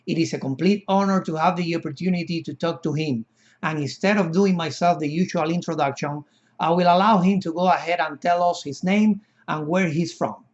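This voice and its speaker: Man in his 50s, from cuba, podcast host, fairly high voice, earnest formal wording, slightly dull lo-fi sound. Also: fairly quick, a little mellow. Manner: earnest, effusive and formally worded. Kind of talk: formal interview hosting.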